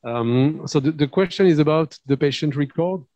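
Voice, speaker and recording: A man with a French accent moderating and relaying questions, haltingly repeating words as he searches for phrasing. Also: fairly high pitch, darkish tone. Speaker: moderator and interpreter. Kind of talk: relaying questions and explaining informally. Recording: dull, lo-fi audio.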